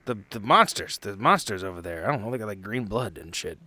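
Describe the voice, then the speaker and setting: A man playing a tabletop roleplaying game, talking casually and a little haltingly, slipping in and out of character. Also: on the low side, very animated, pushed and bright, dry recording. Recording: music behind. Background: background music.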